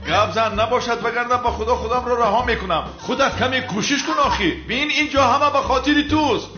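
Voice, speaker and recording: A fretful, scheming suitor. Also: male voice, very high voice. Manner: wheedling and fretful. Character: exhausted scheming man hanging on. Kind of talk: dubbed TV drama. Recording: dull roomy dub with music.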